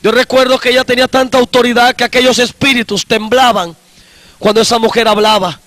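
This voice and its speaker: High-voiced man preaching his testimony. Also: steady tone, a bit bright, dry recording. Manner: slow, emphatic, repeats his phrases. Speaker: evangelist.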